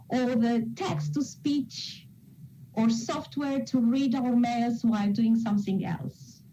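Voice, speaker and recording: A woman from Romania, a native Romanian speaker with a Romanian accent, giving a prepared formal presentation in a deliberate, rhetorical manner. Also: on the high side, mellow, muffled recording, slight background noise. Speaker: conference presenter from an international organization.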